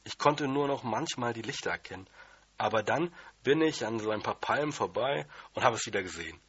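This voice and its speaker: A man's voice: mid-range voice, animated, fairly quick, fairly bright tone, husky, dry recording, muffled recording. A man reading a children's story aloud in the first person, in a plain, childlike manner. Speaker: audiobook reader.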